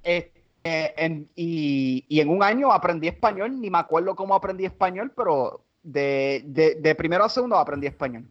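A man's voice: fairly high pitch, lively intonation, muffled recording. A man with a Puerto Rican accent, a guest comedian chatting casually, full of restarts and slipping into English phrases. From Puerto Rico. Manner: halting, many restarts, slips into English. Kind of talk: casual podcast chat.

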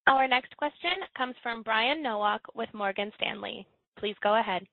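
A woman's voice: on the high side, normal speed, creaky, no echo. A woman working as a conference call operator, making formal scripted announcements. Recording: dry, narrow phone line.

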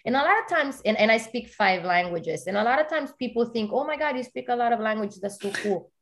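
A woman's voice: a little high, animated, quick pace. A woman from Italy, a guest in an interview, talking in an earnest, casual way and filling her speech with "you know" and "like".

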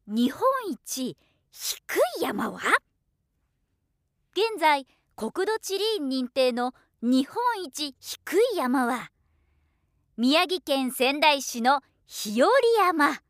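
Slow, dry-sounding woman narrator. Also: sits high, expressive, pushed and bright, no echo. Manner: measured, polished delivery. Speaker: professional voiceover narrator. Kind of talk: scripted narration.

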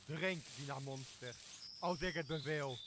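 A drunken, self-important island lord played by a young man in an amateur radio play. He hands out orders pompously in a fairly high voice, with faint outdoor ambience behind him. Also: measured pace, noisy background, natural voice. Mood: merry, commanding. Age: young adult. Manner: commanding, pompous. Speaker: student actor. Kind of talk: amateur radio drama acting.

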